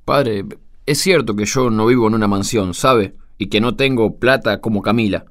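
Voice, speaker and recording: An actor playing an ashamed, respectful high-school student in a radio drama, halting and deferential, with an Argentine accent. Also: male voice, natural voice. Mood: hurt, confessing.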